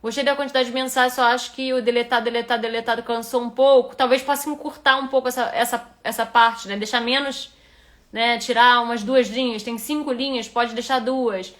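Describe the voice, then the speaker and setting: This writing instructor, speaking Rio de Janeiro Portuguese, runs a live critique of a reader's manuscript while thinking aloud and frequently starting over. Her voice is a little high and a bit bright, brisk, with fairly even intonation.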